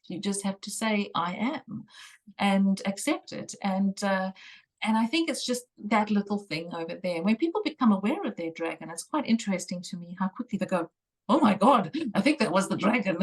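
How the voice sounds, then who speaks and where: A middle-aged woman from South Africa talks as an interview guest over a video call. Her voice sits at an ordinary pitch for a woman. She speaks earnestly and with emphasis, telling stories in a lively way and dropping in the odd mild curse. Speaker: guest, intuitive tarot reader. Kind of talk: conversational interview.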